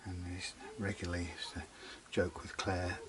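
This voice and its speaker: A man talking casually through a guitar setup in his workshop, rambling and chatty, muttering quietly as he works. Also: low voice, little pitch movement, moderate pace, noisy background. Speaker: guitar repair demonstrator. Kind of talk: casual workshop how-to talk.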